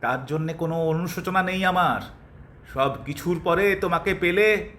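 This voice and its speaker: A man playing a cold, calculating doctor in an audio drama, pressing his love insistently and deliberately, with English phrases dropped in. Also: high-pitched, fairly bright tone, a little hiss or hum. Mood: menacing, entitled. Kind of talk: Bengali audio drama acting.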